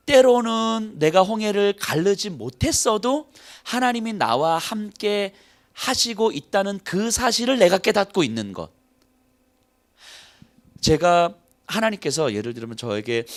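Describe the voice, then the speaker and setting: A male pastor preaching a playful, animated sermon, acting out little quotes and laughing as he goes. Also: a little high. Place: church hall.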